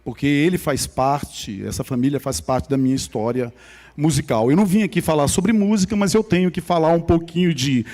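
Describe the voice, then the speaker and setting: A man's voice: a little high, brisk, darkish tone. A man from Maranhão in Brazil, with a local accent, tells his personal testimony to a church congregation in a conversational storytelling way. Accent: Maranhão Brazilian Portuguese. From São Luís, Maranhão, Brazil. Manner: conversational storyteller, speaks directly to the audience. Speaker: guest speaker at church.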